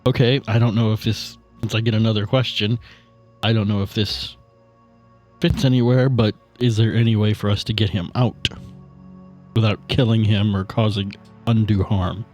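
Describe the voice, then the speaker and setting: A man's voice: on the low side, fairly even intonation, normal speed, darkish tone. A man chatting casually as a player in a tabletop game podcast. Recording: music behind.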